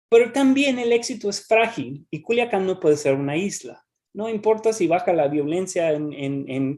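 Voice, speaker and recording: With an English accent, a man speaks using lively intonation. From United States. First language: English (speaking Spanish). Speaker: history professor and researcher. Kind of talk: conference lecture. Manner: halting, with frequent repetitions and fillers.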